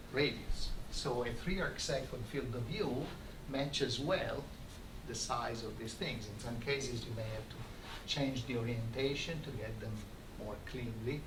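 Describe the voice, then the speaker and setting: A man giving an academic lecture as an astrophysicist, explaining in a halting way with repeated words. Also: medium pitch. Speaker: astrophysicist giving a colloquium talk. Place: lecture room, recorded from a distance. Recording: echoey, distant microphone, clearly noisy room.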